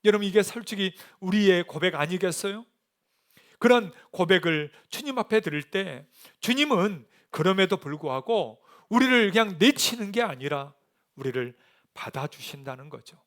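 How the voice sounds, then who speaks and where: A slightly high-voiced male pastor preaching in a church sanctuary. He shifts between quiet, hushed reflection and loud, rising calls to his congregation, drawing them in with repeated questions. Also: animated, normal speed. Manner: moves from soft, hushed musing to loud, rising appeals to the congregation. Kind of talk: sermon.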